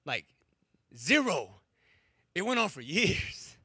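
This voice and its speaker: A man's voice: sits high, sing-song, takes it slowly, sharp tone, husky, no room sound, clean studio sound. A young man from Wisconsin telling a personal story to an audience, with a stutter that repeats words and cuts off syllables.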